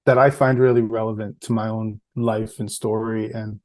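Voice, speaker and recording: A middle-aged man with a central Massachusetts accent, a guest in a casual interview, talking reflectively and easily with fillers and soft laughs. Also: lowish voice, level tone, moderate pace. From Massachusetts, USA. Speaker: podcast guest, public health researcher.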